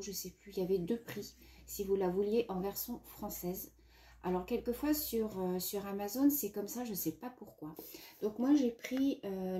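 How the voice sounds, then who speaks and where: Woman vlogger, stuffy nose, slow and halting, soft dark voice. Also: mid-range voice, slight background noise. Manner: chatty with many hesitations. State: sniffly runny nose. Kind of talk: casual chat.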